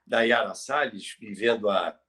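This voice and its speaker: A Brazilian man co-hosting a podcast, telling stories about radio history in a halting way that repeats words. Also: lowish voice, fairly bright tone. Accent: Brazilian Portuguese. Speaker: podcast co-host.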